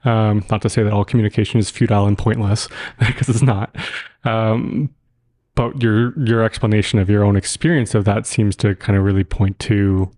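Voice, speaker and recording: A man's voice: lowish voice, level tone, moderate pace, a little mellow. A man hosting a reflective discussion, tentatively rephrasing his thoughts as he goes. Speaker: podcast host.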